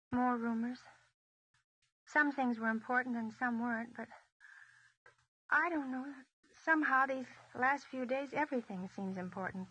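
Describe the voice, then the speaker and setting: Brief: a thoughtful wartime woman narrating, a touch high, 1940s radio play. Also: pushed and bright, breathy edge, highs cut off, exaggerated voice. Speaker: wartime wife narrating her days.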